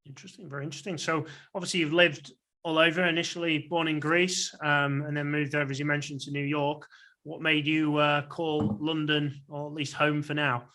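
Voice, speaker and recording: Man hosting a podcast, bright, upbeat, polite questions. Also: a little high, little pitch movement, brisk. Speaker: podcast host. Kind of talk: scripted podcast intro and interview questions.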